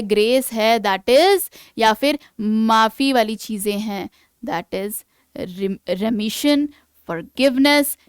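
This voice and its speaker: A woman teaching English vocabulary in Hindi mixed with English, asking the class questions and reading definitions aloud slowly in an Indian English accent. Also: fairly high pitch, clean tone, no echo, studio quality. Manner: asks the class rhetorical questions. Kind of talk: online exam-prep lesson.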